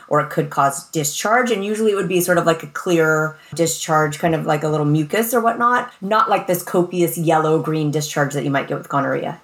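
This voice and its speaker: An American woman speaking as a medical expert guest, explaining things in an informal, plain-spoken, conversational way. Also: deep voice.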